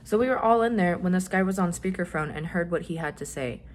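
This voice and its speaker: A young trans man chatting casually in a vlog, rambling with lots of fillers and some swearing, his voice rising when he gets excited. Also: fast talker, a little hiss or hum. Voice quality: voice still fairly high, rising when excited. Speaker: vlogger.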